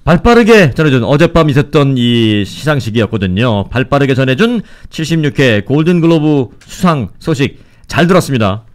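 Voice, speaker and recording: A man's voice: mid-range voice, animated, brisk. A man hosting a radio news show in a conversational way, commenting and putting questions to a reporter. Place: radio studio.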